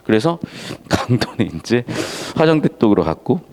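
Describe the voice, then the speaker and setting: With a medium-pitched voice, a man teaches a literature class in a relaxed, lively style. He explains the story while acting out the characters' lines in quick asides.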